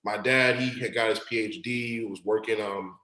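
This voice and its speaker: A young man from Long Island whose first language is Igbo, a podcast guest talking in a relaxed, slangy way with lots of "like" fillers. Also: fairly low pitch, moderate pace. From Long Island, New York. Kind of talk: casual podcast conversation. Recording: roomy echo.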